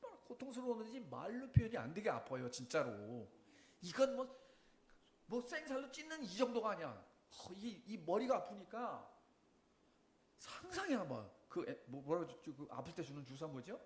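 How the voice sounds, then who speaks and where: Animated man preaching in an echoey church. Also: high-pitched, normal speed. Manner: animated storytelling with questions to the congregation. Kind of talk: sermon testimony.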